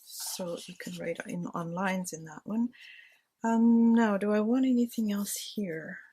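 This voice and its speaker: Husky-voiced woman chatting while crafting. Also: medium pitch, a little slow, mellow. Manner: chatty, talks to herself while working. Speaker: crafting vlogger. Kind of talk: casual crafting chat.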